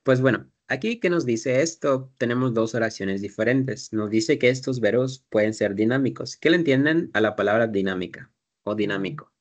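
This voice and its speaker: A male teacher, pitched at an ordinary middle height for a man. He explains grammar patiently and step by step, then drills pronunciation word by word. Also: normal speed. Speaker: English teacher. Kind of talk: classroom teaching.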